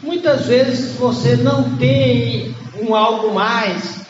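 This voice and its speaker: Congested pastor preaching slowly in an echoey hall. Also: male voice, extremely high pitch. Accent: Brazilian Portuguese. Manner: unhurried teaching delivery, stresses key words. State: congested with a cold. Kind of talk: sermon. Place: church hall. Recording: echoey hall, dull lo-fi sound, noisy background.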